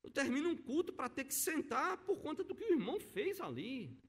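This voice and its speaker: Middle-aged pastor guy w a preaching, high voice that swings all over, acts out the quotes. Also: sing-song, brisk. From Brazil. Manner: storytelling, acting out quoted voices, emphatic. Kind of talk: sermon. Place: church sanctuary.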